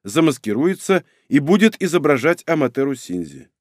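For an audiobook reading, a man voices a cocky, blunt, sardonic young male hero, pitching above his own voice. His delivery is on the high side with big pitch swings at a moderate pace, on a dry, clean studio recording.

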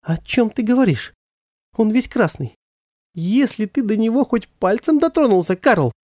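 Мужчина изображает нежную, вспыльчивую молодую мать. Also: male voice, lively intonation, moderate pace, no echo, clean studio sound. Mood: angry. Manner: soft cooing turning to shrill outbursts. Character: young mother, tender, protective, explosive when angry.

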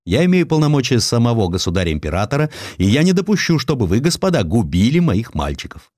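A man's voice: mid-range voice, very animated, quick pace, a little mellow, no room sound, clean studio sound, natural voice. A man voicing a crusty but kindly admiral in a dramatised audiobook, brusque and commanding, then coaxing. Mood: firm, wry. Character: crusty, blunt, kindly protective male admiral. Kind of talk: Russian audiobook character acting.

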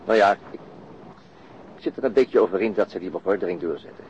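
An actor playing a pensive, plain-spoken police detective in a radio drama, understated and conversational. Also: male voice, deep voice, fast talker, close to an everyday voice. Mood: wistful. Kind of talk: naturalistic radio drama dialogue. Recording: muffled radio drama recording, clear background noise.

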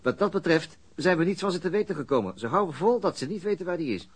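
A man's voice: on the high side, animated, quick pace, breathy edge. A man acting a weary, middle-aged police detective in a radio drama, explaining things methodically with small hesitations. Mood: matter-of-fact.

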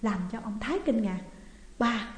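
A woman with a Southern Vietnamese accent calmly reading a ghost story aloud. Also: on the high side, moderate pace. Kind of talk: scripted narration. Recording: echoey room with long reverb.

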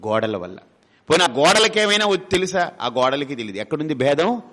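A man's voice: on the high side, sing-song, a little fast, a bit bright. A man giving a spiritual discourse, asking rhetorical questions and briefly acting out everyday speakers. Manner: rhetorical questions, acts out householders' quotes. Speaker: spiritual teacher. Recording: long hall reverb.

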